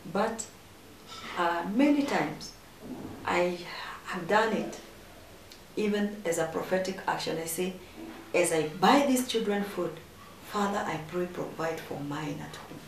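A woman speaks at a fairly slow pace with lively intonation, big swings in loudness and long, frequent pauses, amid audible room echo and light background noise. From Kenya. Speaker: missionary. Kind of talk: testimony. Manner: halting. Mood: warm, earnest. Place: home room.

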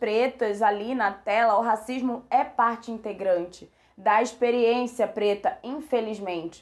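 A woman speaks at a fairly high pitch with ordinary pitch variation over a quiet background. Her pace is fairly slow, with hardly any pauses. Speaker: YouTuber and film critic; YouTuber. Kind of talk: video essay to camera. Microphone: webcam.

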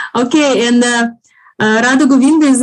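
Against a quiet background, a high-pitched woman talks with ordinary pitch variation. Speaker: interpreter. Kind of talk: consecutive interpretation of a religious class. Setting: video call. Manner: halting. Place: home room. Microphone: video call.

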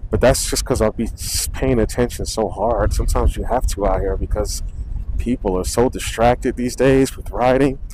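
Light background noise sits under fairly quick speech, and the sound is dry with no echo. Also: man. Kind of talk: casual vlog chat. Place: motorbike. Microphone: helmet.

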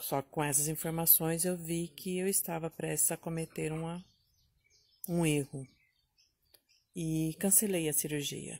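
A woman's fairly low, dark and mellow voice, monotone and flat, at a fairly slow pace with long, frequent pauses. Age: 50s. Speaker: retiree giving customer testimonial. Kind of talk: testimony. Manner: slightly halting. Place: garden. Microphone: phone near.

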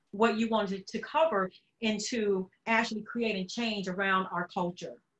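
A woman speaks with a somewhat breathy voice. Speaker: podcast host. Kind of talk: casual interview. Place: home room. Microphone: video call.

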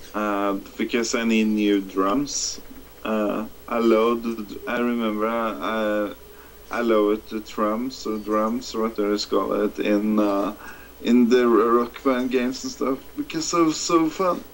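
With a Norwegian accent, a man speaks at a fairly slow pace and medium pitch, with ordinary pitch variation and light background noise. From Norway. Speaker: gaming video co-player. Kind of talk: casual chat while playing a video game. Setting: online voice chat with poor audio. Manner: halting, fumbling for English words. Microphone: headset.

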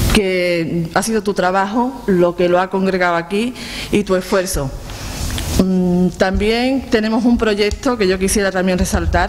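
Woman at a fairly slow pace, ordinary pitch variation, very even loudness, light background noise. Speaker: municipal culture official. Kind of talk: public speech at event. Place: hall.

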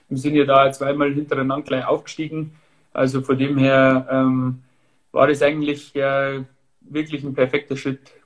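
In a quiet setting, a man with a Bavarian accent talks at a fairly slow pace with a fairly high pitch and monotone, flat intonation. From Bavaria, Upper Palatinate near Regensburg. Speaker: football player. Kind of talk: interview; interview answer. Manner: halting, many filler sounds. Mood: calm, content. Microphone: phone near.

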